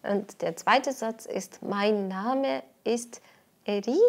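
A young woman from Japan with a Japanese accent, a teacher explaining casually in careful, halting phrases. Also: mid-range voice. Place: indoor Japanese-style room.

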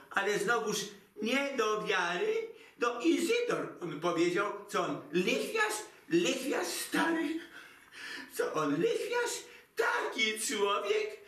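A man's voice: high-pitched, sing-song, slow, sharp tone, full character voice. An actor playing a fretful, theatrical elderly Jewish mother who speaks Polish with a Yiddish inflection, lamenting in a singsong voice. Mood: wailing. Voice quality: singsong lamenting, broken grammar. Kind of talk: comic stage monologue. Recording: roomy, distant mic.

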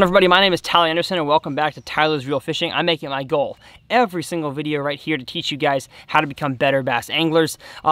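Higher-pitched young man, casual and enthusiastic. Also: bright, forceful tone, dry recording. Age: 20s. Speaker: fishing channel host. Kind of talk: casual instructional talk to camera. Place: outdoors on a bass boat by a reedy shore.

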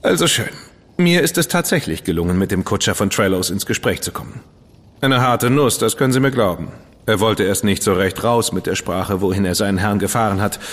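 An actor playing a witty, decadent dandy detective's partner in a German radio drama, flippant and ironic. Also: male voice, on the low side, fairly quick, long reverb tail, natural voice. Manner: flippant, ironic, self-satisfied.

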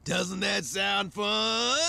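A man playing a blunt, theatrical and uncaring daycare teacher in a cartoon, with a gravelly voice. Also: sits high, very slow, pushed and bright, shouting, soft background music, heavily acted. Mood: excited. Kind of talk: cartoon acting.

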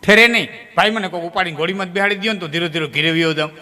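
Bright-voiced folk storyteller man. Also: very fast. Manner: lively, jumps suddenly high in pitch while telling stories. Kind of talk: folk comedy storytelling on stage. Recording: long hall reverb.

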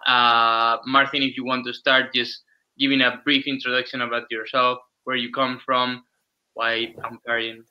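Flat-voiced host on muffled audio. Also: male voice, medium pitch, moderate pace. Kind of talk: online panel hosting.

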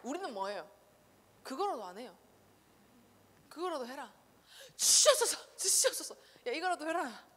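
A woman preaching a casual sermon to children, animated and firing rhetorical questions at her listeners. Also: high voice. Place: church sanctuary. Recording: long reverb of a church hall.

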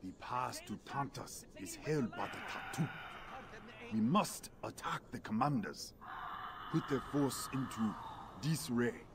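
An actor playing a grave, determined alien tribal warrior who speaks terse, formal, stilted English in a video game. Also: male voice, medium pitch, animated, unhurried, background noise. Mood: stern, measured. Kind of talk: video game dialogue acting.

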